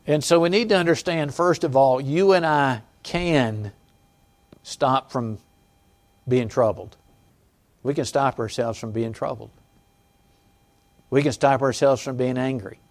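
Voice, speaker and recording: Halting conversational male pastor preaching. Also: mid-range voice. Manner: conversational, halting with restarts and asides to the congregation; chuckles between points. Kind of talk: sermon. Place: church sanctuary.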